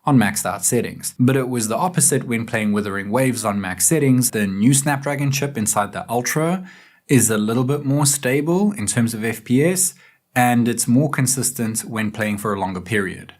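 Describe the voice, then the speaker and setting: Mid-pitched man narrating tech review. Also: normal speed, darkish tone.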